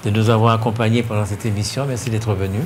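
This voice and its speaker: A man's voice: lowish voice, little pitch movement, fast, noisy background. A man hosting a press panel, asking probing questions with a teasing edge. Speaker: host. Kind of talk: panel discussion.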